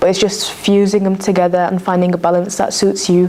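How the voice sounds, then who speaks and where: A woman's voice amid noticeable background noise. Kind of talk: interview answer. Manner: casual, hesitant.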